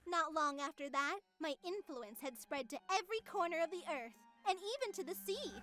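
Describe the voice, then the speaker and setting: Game villain: artificial female overlord, extremely high voice, self-justifying, devoted to her mission, over clear background music. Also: expressive, fairly quick. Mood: breezy, smug. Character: cheerful female artificial being, tyrannical, self-righteous, obsessed with her mission. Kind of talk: scripted visual novel narration.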